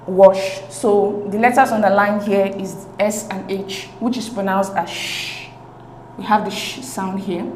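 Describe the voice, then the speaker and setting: A woman's voice: medium pitch, a little hiss or hum. Woman teaching an exam lesson in an echoey room. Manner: steady, explanatory, reads questions aloud then walks through options. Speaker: teacher and channel host.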